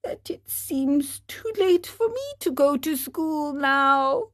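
A woman reading an audiobook, voicing an eager, mischievous wooden puppet boy who talks in a high, pleading way. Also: expressive, takes it slowly, a bit bright, exaggerated voice. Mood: whiny.

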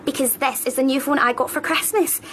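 A woman's voice: high voice, steady tone, brisk, close to an everyday voice. A woman playing a bossy, chatty schoolgirl vlogger with a British accent in a children's radio drama. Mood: chatty, eager. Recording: clearly noisy background ambience.

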